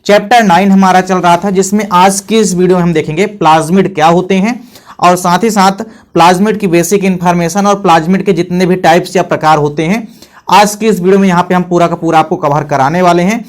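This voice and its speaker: Man, high voice, teacher, explains a board lesson, asks and answers his own questions. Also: fairly even intonation, a little fast.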